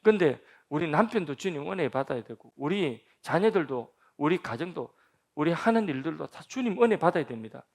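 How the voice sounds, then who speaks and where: Man, pastor, church sermon, gravelly voice, lively swooping intonation, emphatic, rhetorical questions. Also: on the high side, brisk. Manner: emphatic preaching, often asks the congregation rhetorical questions. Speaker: senior pastor. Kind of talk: sermon at a Friday prayer meeting. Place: church sanctuary.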